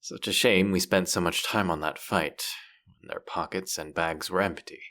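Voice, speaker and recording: A man's voice: low-pitched, steady tone, normal speed, sharp tone. A man playing a cocky, bratty street-rat rogue in a fantasy roleplay audio drama, teasing and foul-mouthed as he talks straight to the listener. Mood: playful banter.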